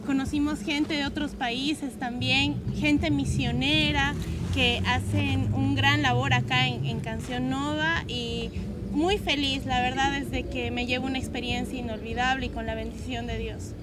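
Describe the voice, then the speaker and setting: A woman's voice: high voice, steady tone, measured pace, very noisy. A twenty-year-old woman from Bolivia, giving a hesitant testimony full of restarts, sitting outdoors on a park lawn and filmed by a distant camera. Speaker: camp participant. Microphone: far camera. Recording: loud music underneath.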